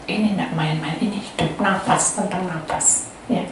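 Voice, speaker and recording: A woman's voice: fairly low pitch, steady tone, normal speed. A woman pastor preaching a sermon, telling a testimony and speaking often to the congregation. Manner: addresses the congregation often, acts out quoted speech. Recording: very echoey, from far off, faint ambient noise.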